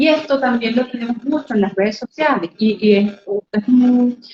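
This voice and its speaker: With a Venezuelan accent, a woman speaks at a fairly high pitch with lively intonation. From Venezuela, Carabobo. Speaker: journalist and radio announcer. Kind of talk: interview conversation. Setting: live stream.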